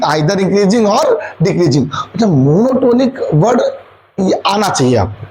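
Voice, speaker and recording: A man's voice: high voice, a little mellow, low-quality recording. A man teaching a maths lesson, asking and answering his own questions and mixing English maths terms into his Hindi. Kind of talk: classroom lecture.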